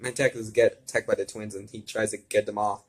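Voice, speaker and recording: A man with a fairly low voice reads a story aloud in an informal, amateur way. He stumbles, repeats phrases and corrects himself, and he steps out of the text to comment in his own words. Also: little pitch movement, a little fast, husky. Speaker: fan fiction reader.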